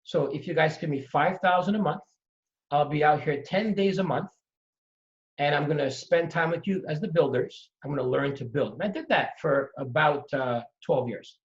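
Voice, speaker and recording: A middle-aged man from Trinidad and Tobago, a real estate investor telling his story in an emphatic, animated way during a conversation. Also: on the high side, normal speed. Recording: dull lo-fi audio.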